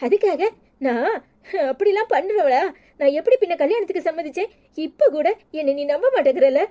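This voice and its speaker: A woman's voice: extremely high pitch, lively intonation, moderate pace, warm tone. A sulky young village woman. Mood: pleading. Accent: Tirunelveli Tamil. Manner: pleading, self-pitying.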